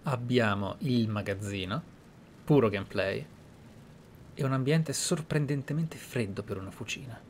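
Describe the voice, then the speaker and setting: A man's voice: medium pitch, normal speed. Italian man commentating over game ambience. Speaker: gameplay host. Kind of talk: casual let's play commentary. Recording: clear background game ambience noise.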